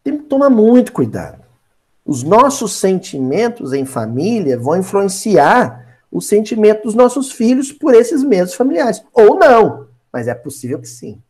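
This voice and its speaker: Animated man teaching scripture. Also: high-pitched, normal speed, husky. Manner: animated, talks directly to listeners, acts out quotes. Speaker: spiritist Bible study teacher. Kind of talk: conversational lecture.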